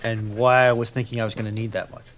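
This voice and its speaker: A man's voice: mid-range voice, flat delivery, quick pace, dull audio. A man in casual livestream chat as a co-host, wry and opinionated.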